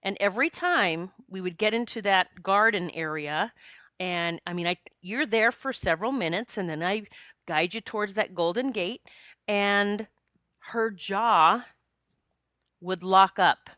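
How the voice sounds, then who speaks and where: A woman in her late forties talks through a solo podcast episode. She is chatty and expressive, and her voice is bright and forceful. The sound is dry and close, with no room echo. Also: mid-range voice, measured pace. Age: 40s. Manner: chatty and expressive, jokes with listeners. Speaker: podcast host and psychic medium.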